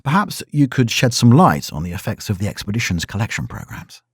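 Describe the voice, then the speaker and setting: Male broadcast news host, audio drama. Husky, composed, probing, dry studio sound. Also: lowish voice, sing-song, brisk, no room sound, heavily acted. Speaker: radio news host and interviewer.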